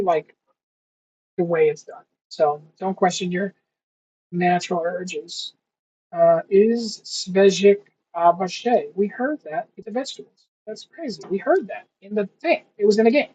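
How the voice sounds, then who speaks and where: Young man, husky voice, casual rambling self-talk, sounds out words slowly, middle pitch, dull lo-fi audio. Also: a little mellow. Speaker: language learner vlogger. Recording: dull lo-fi recording.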